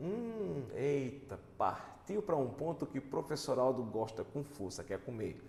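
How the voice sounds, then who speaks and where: Lively intonation from a man at a fairly high pitch and a fairly slow pace, with audible room echo. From Pernambuco, northeastern Brazil. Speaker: exam-prep teacher. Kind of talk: lecture. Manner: casual, chatty.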